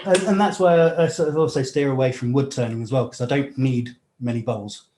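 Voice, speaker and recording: A young man from Nigeria, a jeweller, explaining his work while filing and sanding at his bench, with many pauses and fillers. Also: medium pitch, echoey room. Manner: relaxed, hesitant, many fillers, talks while working. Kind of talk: live demonstration with interview answers.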